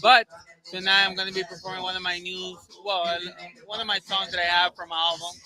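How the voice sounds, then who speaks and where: A man's voice: high-pitched, level tone, brisk, bright, forceful tone, low-quality recording. A man from Peru with a Peruvian Spanish accent, a native Spanish speaker chatting casually as an artist in a live interview. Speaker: reggaeton artist being interviewed. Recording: busy crowd behind the voice. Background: crowd at a live showcase.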